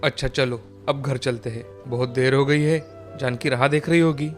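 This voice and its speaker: A man voicing a caring father and brother in a cartoon story, speaking gently. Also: medium pitch, fairly even intonation, moderate pace, soft background music, lightly acted. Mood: fatherly.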